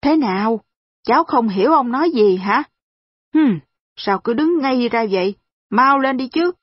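A woman reading aloud voices a stern, gruff old man who gives blunt commands, in a slightly husky voice on a dull, dry recording. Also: mid-range voice, measured pace, dry recording.

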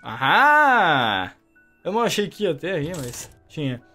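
A man's voice: on the high side, animated, fairly quick, soft background music. Chatty Brazilian man narrating his gameplay. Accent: Brazilian Portuguese. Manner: chatty, reacts loudly, swears and jokes at enemies. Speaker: gameplay commentator. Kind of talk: let's play commentary.

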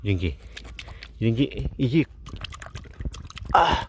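A man's voice: mid-range voice, expressive, normal speed, darkish tone. Middle-aged guy rambling to himself by a creek, faint hiss behind, repeats words a lot. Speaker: rock-hunting vlogger. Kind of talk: casual outdoor commentary. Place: outdoors in a mountain stream.

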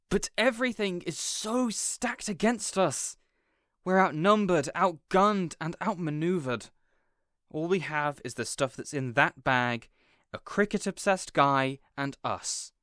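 A man's voice: fairly high pitch, a bit bright, dry recording, studio quality. Man playing a flustered, earnest supervillain boss. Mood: despairing. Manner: earnest, exasperated, wholesome mild oaths. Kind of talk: audio roleplay addressed to the listener.

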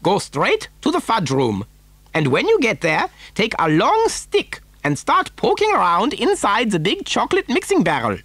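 An eccentric storybook chocolate maker, fussy, frantic and giggly. The voice sits very high and leaps wildly up and down in exclamations. The sound is close and dry. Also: male voice, huge pitch swings, moderate pace, a bit bright, slightly rough, dry recording, heavily acted. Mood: gleeful urgency.

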